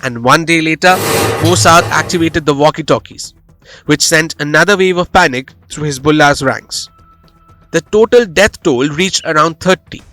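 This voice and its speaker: Male news narrator, slightly high voice, dramatic scripted storytelling, dry close studio sound, music underneath. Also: a bit bright, dry recording, low-quality recording. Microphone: close studio voice-over microphone.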